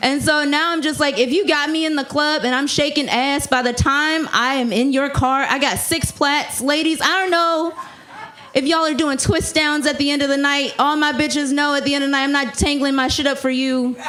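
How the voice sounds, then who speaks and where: Recorded with audible room echo and noticeable background noise, a woman with a high pitch speaks at a fairly quick pace, her loudness very even and her intonation fairly even. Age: 30s. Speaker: comedian. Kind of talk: stand-up. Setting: stage with audience.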